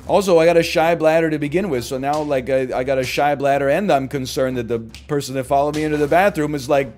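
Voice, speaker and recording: A man in his thirties riffing casually while streaming games, animated and swinging between loud and quiet for comic bits, on a headset mic at home. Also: fairly high pitch, quick pace. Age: 30s. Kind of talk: casual gaming stream chat. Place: small room at home.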